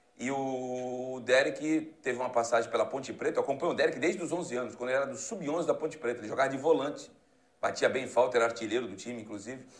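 A man's medium-pitched voice at a very fast pace, with ordinary pitch variation, big swings in loudness and audible room echo. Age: 40s. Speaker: sports show host. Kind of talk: sports talk show. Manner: animated; loud, shouting.

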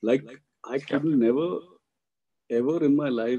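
Speaking at a fairly slow pace, a man has a dark, mellow tone. His intonation stays fairly even. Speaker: sound engineer. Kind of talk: panel discussion.

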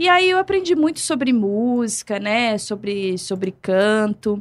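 Speaking in a Brazilian accent, a woman takes a fairly slow pace. Her pitch swings very widely. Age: 30s. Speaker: church member and preacher, trained teacher. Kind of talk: radio interview.

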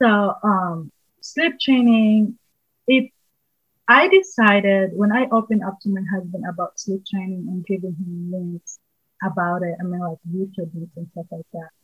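A woman with a Filipino accent, medium pitch, somewhat breathy, with ordinary pitch variation, big swings in loudness and a fairly slow pace. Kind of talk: casual interview chat.

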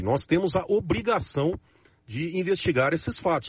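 A man is speaking. His voice is somewhat breathy. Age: 40s. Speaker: city councillor. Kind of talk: news interview.

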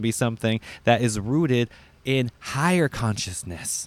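This man talks at a moderate pace and medium pitch with ordinary pitch variation. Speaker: spiritual podcaster. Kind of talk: impassioned conspiracy-laced spiritual sermon to camera. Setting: online video/podcast recording. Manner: urgent, insistent, emphatic, punchy repeated 'right?' tags; intense, warning tone with defiant, preachy conviction.

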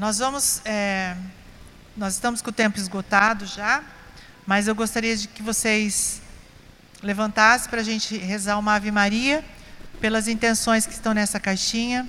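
At a moderate pace, a woman with a Brazilian accent speaks in a monotone, flat intonation with long, frequent pauses. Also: fairly high pitch for a woman. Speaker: group leader and preacher. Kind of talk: fervent prayer and exhortation. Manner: fervent, emotional; warm, reassuring, speaking as Mary.

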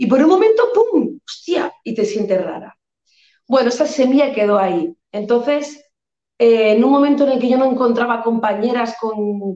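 Her pitch is high and her tone dark and mellow as a woman speaks at a moderate pace with ordinary pitch variation. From Andalusia, Motril. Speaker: comic actress. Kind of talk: interview.

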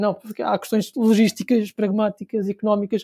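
Talking at a very fast pace, a man has a dark, mellow tone in a dry, close sound with no echo and a very clean recording with a silent background. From Portugal, Lisbon. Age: 20s. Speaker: translator and writer. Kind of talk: interview.

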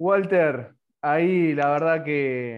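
A fairly high-pitched man with a Rioplatense accent. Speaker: radio host. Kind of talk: interview. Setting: video call. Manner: loud.

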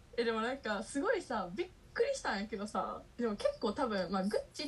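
Fairly high in pitch, a woman speaks at a very fast pace. Her intonation is lively. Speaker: podcast host, university student. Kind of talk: casual chat. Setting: video call.

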